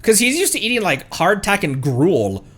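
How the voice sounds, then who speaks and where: A man's voice: high-pitched, very animated, moderate pace, a bit bright. A man chatting casually on a livestream as the streamer, playful and rambling.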